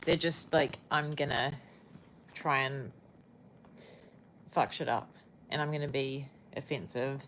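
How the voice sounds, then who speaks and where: A woman's voice: very deep voice, fairly even intonation, slow pace, pauses often, fairly bright tone, slight background noise. A young woman with a New Zealand accent chatting casually with viewers on a livestream, rambling and often searching for words.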